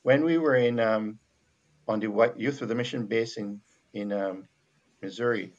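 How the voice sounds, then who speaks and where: A Bajan-accented man from Barbados, appearing as a missionary guest, reflects haltingly on faith in an informal chat full of restarts. His voice sits on the low side, and the audio is dull.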